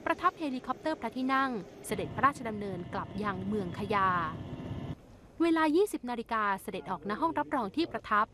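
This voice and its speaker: A woman reporter voicing a formal, scripted news report over field footage. Her voice sits fairly high, and she reads in a measured, even way. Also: background noise. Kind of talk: scripted royal news narration.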